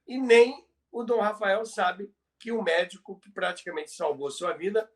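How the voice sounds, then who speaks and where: A Brazilian man co-hosting a podcast, telling stories conversationally in a halting way, often repeating words. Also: high voice. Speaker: podcast co-host. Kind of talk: conversational storytelling about radio history.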